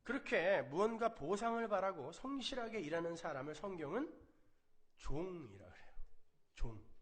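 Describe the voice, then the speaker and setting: High-voiced, lively preaching man. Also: moderate pace. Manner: animated preaching, acts out quoted lines in a raised voice; drops to a low, soft voice for emphasis. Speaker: pastor. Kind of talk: sermon.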